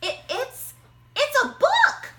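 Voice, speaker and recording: A woman voicing an excited, eager young girl from a children's storybook, exclaiming her words. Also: very high-pitched, slow, a little hiss or hum, voice pushed up, exaggerated voice.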